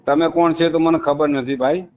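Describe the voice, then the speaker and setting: A man's voice: fairly high pitch, fairly even intonation, moderate pace. Guy on a phone call, keeps hammering the same point, tinny phone sound. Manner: insistent, repetitive, emphatic. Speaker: caller.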